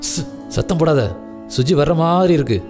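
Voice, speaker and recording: A man's voice: on the high side, normal speed, darkish tone, soft background music, lightly acted. An older man playing a weary, debt-burdened father. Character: aging worried father, burdened by debts. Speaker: father in a radio drama. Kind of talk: radio drama acting.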